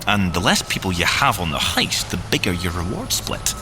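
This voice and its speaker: An actor playing a boyish, excitable, boastful inventor agent in audio drama banter, with a theatrical delivery. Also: male voice, low voice, normal speed, slight background noise, full character voice. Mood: playful, enthusiastic. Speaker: agent and engineer character.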